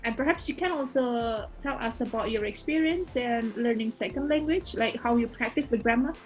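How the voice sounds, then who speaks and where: High-pitched bubbly woman host. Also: moderate pace, soft background music. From Indonesia. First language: Indonesian. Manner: chatty, bubbly, lots of fillers and laughter. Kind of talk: casual interview questions.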